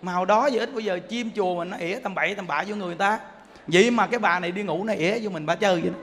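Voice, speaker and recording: A man's voice: high voice, rapid-fire, fairly bright tone, a little hiss or hum. A man giving a humorous Buddhist sermon, telling stories and imitating animal sounds. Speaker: Buddhist monk teacher. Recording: long hall reverb.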